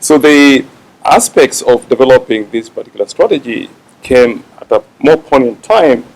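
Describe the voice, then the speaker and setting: Man, visiting official, formal speech, gravelly low voice, faint background noise. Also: animated, darkish tone, poor audio. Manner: formal, halting with fillers. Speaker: visiting official from a regional telecom organisation.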